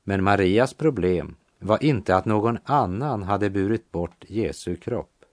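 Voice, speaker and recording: A man preaching a sermon on a Bible passage in a calm, measured way, slowing down to stress key phrases. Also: lowish voice, dry recording, studio quality.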